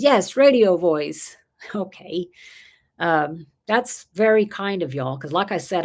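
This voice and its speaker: A woman, chatting casually on a livestream and reading viewer comments aloud, rambling and laughing often. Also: deep voice. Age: 60s. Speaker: livestream host.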